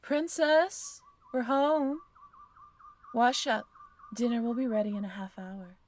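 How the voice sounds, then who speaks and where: A woman's voice: fairly high pitch, animated, slow pace, slight background noise. A woman playing a proud, flirtatious female dragon in a fantasy audio drama, theatrical and teasing with grand wording. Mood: dry, domestic. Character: proud female dragon guardian, suave, flirtatious, quick to offense. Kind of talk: fantasy audio roleplay acting.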